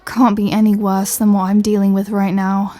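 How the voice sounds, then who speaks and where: A woman's voice: medium pitch, monotone, moderate pace, warm tone, natural voice. A woman playing an irritated, stubborn, proud female superhero in a comedic audio drama, answering with dry, sarcastic exasperation. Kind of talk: comedic audio roleplay acting.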